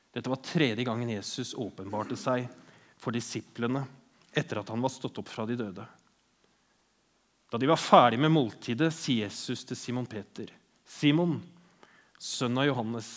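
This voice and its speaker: A man delivering a heartfelt sermon in Norwegian. He talks with quiet earnestness and often speaks the lines of the people in the passage he retells. His voice sits at an ordinary middle pitch for a man. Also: long pauses. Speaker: preacher.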